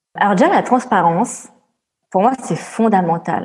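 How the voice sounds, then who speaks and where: Speaking fairly slowly, a woman uses an unremarkable speaking voice at medium pitch with ordinary pitch variation. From France. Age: 30s. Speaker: podcast guest sharing her layoff experience. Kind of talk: casual interview.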